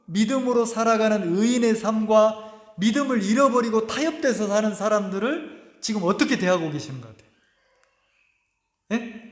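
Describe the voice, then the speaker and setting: Male pastor, sermon, emphatic rhetorical questions, long hall reverb, roomy sound. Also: high voice. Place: church sanctuary.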